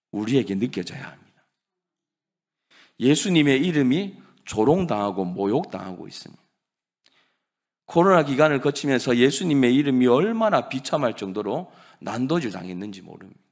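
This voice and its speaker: A man's voice: medium pitch, big pitch swings, normal speed, pauses often. Dramatic male pastor preaching. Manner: dramatic preaching that swings from loud to hushed. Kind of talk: sermon.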